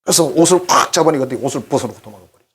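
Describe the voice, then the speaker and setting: A man's voice: medium pitch, racing, breathy edge. A male pastor preaching a conversational sermon, talking straight to the congregation and acting out voices. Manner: animated, addresses congregation directly, acts out quoted voices.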